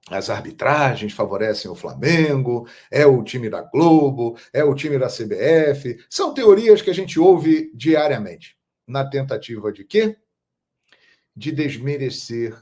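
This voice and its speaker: A man from Brazil hosting a football channel, telling stories in a measured, emphatic monologue. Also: mid-range voice, expressive, darkish tone. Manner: measured, storytelling, emphatic on key phrases. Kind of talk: casual monologue to camera.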